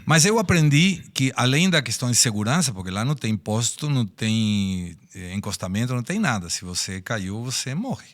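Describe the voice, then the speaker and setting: A man in his sixties from Argentina, a native Spanish speaker with an Argentine accent, reflects on personal life lessons as a guest on a podcast interview. His medium-pitched voice swings widely in pitch, moving at a normal speed with few pauses as he tells his stories.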